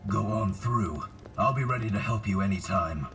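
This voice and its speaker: An actor playing an earnest, wry hero offering help in a video game cutscene. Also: male voice, lowish voice, normal speed, a bit bright, a little hiss or hum. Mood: wry, helpful.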